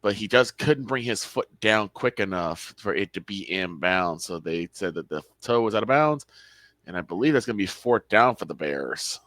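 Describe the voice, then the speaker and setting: A man's voice: lowish voice, animated, moderate pace, a bit bright, no echo. A young man co-hosting a sports show, chatting casually and explaining calls on the field. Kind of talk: casual color commentary.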